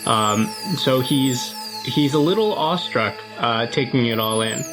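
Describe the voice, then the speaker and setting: A man playing a tabletop game, improvising and describing his character's moves in a halting, tentative, casual way. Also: medium pitch, poor audio. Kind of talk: casual improvised roleplay and narration. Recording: faint music under the voice.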